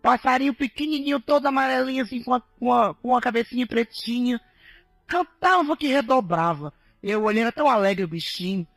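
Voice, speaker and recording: Woman preacher, high gravelly voice, dry close sound, animated testimony to a congregation. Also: brisk, dry recording, faint music behind. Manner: animated storytelling, addresses listeners as brothers. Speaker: missionary giving testimony.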